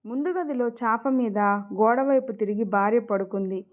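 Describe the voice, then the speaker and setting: A woman narrating an emotional story in a measured, expressive reading. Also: a little high.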